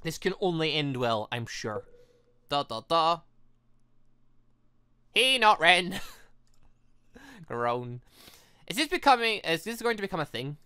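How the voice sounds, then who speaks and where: A man's voice: a little high, sing-song, slow, long pauses, bright, forceful tone, clear, resonant tone, dry recording. A man hosting a video game playthrough in a casual, rambling way, chatting about his plans and reading game text aloud. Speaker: let's-play host. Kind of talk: casual gameplay commentary.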